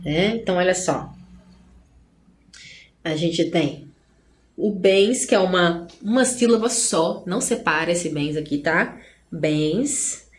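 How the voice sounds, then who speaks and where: A Brazilian woman teacher giving an online grammar lesson in a chatty way, often tagging lines with "né?" and slowing down to stress syllables. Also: lowish voice. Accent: Brazilian Portuguese. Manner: chatty, frequent "né?" and "gente" asides. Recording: roomy echo.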